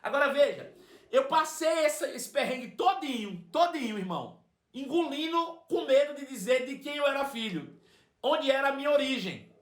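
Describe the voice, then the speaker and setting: A man with a Brazilian accent preaching a sermon, telling a personal story in an animated way and repeating phrases for emphasis. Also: very high-pitched, moderate pace, echoey room. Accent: Brazilian Portuguese.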